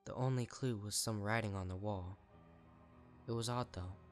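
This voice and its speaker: A man's voice: lowish voice, normal speed, faint music behind, natural voice. A man voicing a worried pony princess who brings bad news in a tentative, sombre manner in a story.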